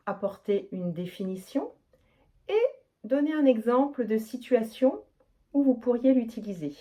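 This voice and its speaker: Woman language teacher, deliberate and clear delivery, mellow tone, animated melody. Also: mid-range voice. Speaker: French teacher. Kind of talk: teaching, reading practice answers.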